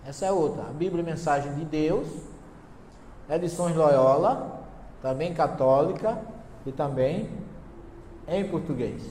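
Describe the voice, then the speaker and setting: A man with a Northeastern Brazilian accent lectures to a live audience, telling stories with lively energy, acting out conversations and putting questions to the crowd. His voice sits a bit higher than most men's. He is recorded in a large hall with a long, echoing reverb and faint background noise. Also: measured pace, long pauses. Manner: lively storyteller, acts out dialogue, asks the audience questions. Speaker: lecturer on Bible translations.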